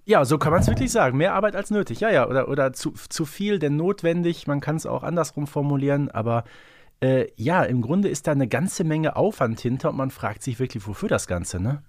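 A man's voice: fairly high pitch, expressive, brisk, no room sound, studio quality. A man co-hosting a podcast in casual conversation, often tagging his remarks with little questions. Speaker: podcast co-host.

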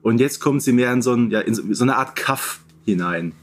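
Guy on a chatty podcast, mid pitch, keeps checking you agree. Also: brisk. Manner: conversational, seeks agreement with tag questions. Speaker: podcast co-host. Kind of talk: casual chat reviewing children's audio dramas.

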